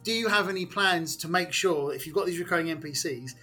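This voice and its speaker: Bright, higher-voiced English man chatting. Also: a little fast, husky, faint music behind. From England. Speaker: podcast co-host and game master. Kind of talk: casual chat.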